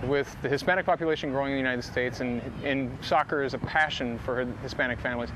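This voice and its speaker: A man representing a company, interviewed outdoors at a sports field on a lapel mic, speaking haltingly with many restarts. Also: medium pitch. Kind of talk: on-camera interview. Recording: outdoor interview with clear noise behind.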